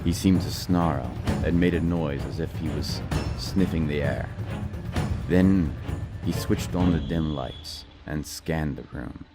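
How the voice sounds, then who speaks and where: A man's voice: a bass voice, takes it slowly. A man narrating a scripted horror audiobook in a dramatized, storytelling style. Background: music.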